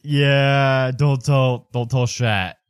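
A man's voice: medium pitch, steady tone, very slow, clear, resonant tone, no echo. Man plays easygoing town drunk for tabletop game, slurred and casual, close dry sound. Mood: tipsy, easygoing. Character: slurring, drunk, laid-back tavern-guild employee man.

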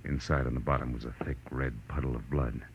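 An actor playing a wry, world-weary private detective, narrating and talking in a terse, deadpan 1940s radio noir style. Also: male voice, a bass voice, quick pace. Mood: wry, tense narration. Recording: noisy, muffled vintage radio recording.

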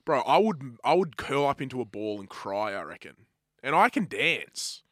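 Animated, bright-voiced young Australian man. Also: medium pitch, normal speed, dry recording, studio quality. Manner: sweary, blokey slang. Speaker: podcast co-host. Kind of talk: casual banter.

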